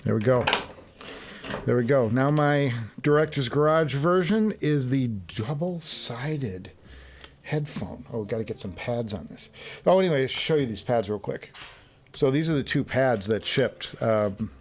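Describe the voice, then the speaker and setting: A man's voice: mid-range voice, expressive, unhurried. A man hosting a casual live stream, muttering to himself and chuckling as he assembles headphones. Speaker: livestream host. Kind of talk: casual live-stream chat while working. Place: home garage studio.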